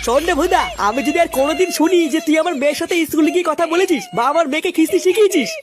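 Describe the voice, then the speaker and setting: Very high-pitched hot-tempered cartoon dad. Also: male voice, racing. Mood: furious, threatening. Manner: scolding, blustering, swearing. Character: hot-tempered foul-mouthed cartoon father. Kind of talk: exaggerated comedy cartoon acting.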